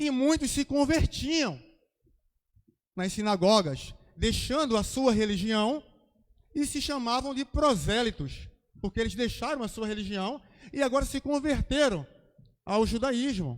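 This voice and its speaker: At an extremely high pitch, a man speaks at a fairly slow pace with long, frequent pauses and ordinary pitch variation. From Pernambuco, Brazil (Recife). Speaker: preacher. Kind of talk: sermon. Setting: church service, livestreamed.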